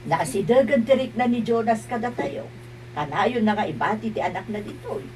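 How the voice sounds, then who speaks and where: A woman's voice: on the high side, expressive, moderate pace, darkish tone, close to an everyday voice. A woman playing an outspoken concerned mother. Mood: probing. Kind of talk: amateur drama acting. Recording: distant mic with faint hum.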